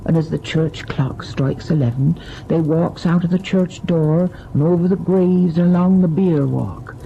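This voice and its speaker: Older rustic housekeeper, superstitious and guarded, creaky and slow, muffled vintage radio sound. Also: female voice, sits low, dark tone. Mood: hushed, foreboding. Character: superstitious, deferential older rural woman servant, uneasy and guarded. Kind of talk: old-time radio drama acting. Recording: dull, noisy old radio recording.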